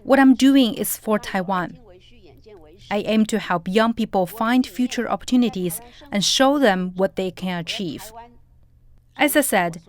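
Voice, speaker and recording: Steady woman voicing an English translation. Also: mid-range voice, a little slow. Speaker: interpreter voice-over.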